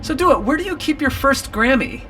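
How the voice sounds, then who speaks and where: A man asking upbeat, rapid-fire interview questions in an eager, playful way. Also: very high voice, very animated, pushed and bright, a little hiss or hum. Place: backstage at an arena venue. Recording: distant mic with music behind.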